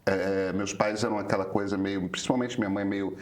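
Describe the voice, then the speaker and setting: A man in his fifties with a Rio de Janeiro carioca accent, explaining things in a relaxed talk-show chat, hesitant with frequent filler restarts. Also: on the low side, a little fast. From Brazil, Rio de Janeiro. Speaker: journalist co-host. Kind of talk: casual conversational explanation.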